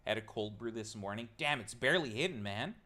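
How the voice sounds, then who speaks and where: Lively low-voiced man rambling on stream. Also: a little fast. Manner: rambling, self-mocking, talks to chat while tinkering. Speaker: streamer building a robot. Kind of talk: casual live-stream chat while working.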